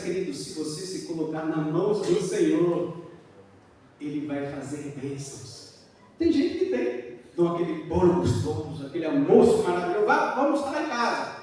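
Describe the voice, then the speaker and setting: A man with a Brazilian Portuguese accent preaching a sermon as a church elder, swinging between loud fervent exclamations and hushed earnest appeals. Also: medium pitch, a little hiss or hum. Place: church sanctuary. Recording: echoey hall, mic at a distance.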